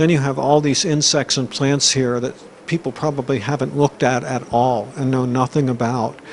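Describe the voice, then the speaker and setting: A man talks at a moderate pace in a medium pitch. His intonation stays fairly even. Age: 60s. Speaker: biology professor. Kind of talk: interview. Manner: halting.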